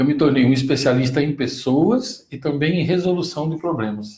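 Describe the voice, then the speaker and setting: Somewhat breathy, a man talks at a moderate pace with a fairly high pitch and ordinary pitch variation. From Brazil, interior of São Paulo state. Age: 50s. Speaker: life coach. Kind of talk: live stream talk. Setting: live stream.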